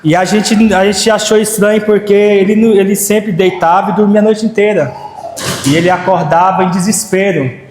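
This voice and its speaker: A man with a high voice tells his story to a congregation in plain conversational speech, stumbling and restarting as he goes. His voice echoes through a church hall with a long tail of reverb. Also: fairly even intonation, moderate pace, darkish tone, a little hiss or hum. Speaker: preacher. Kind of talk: sermon testimony.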